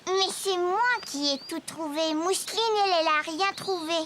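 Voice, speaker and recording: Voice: very high-pitched, steady tone, normal speed, background noise. An actor voicing a curious, eager four-year-old boy in a children's cartoon, with a small childlike voice. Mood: indignant. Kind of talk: children's cartoon acting in French.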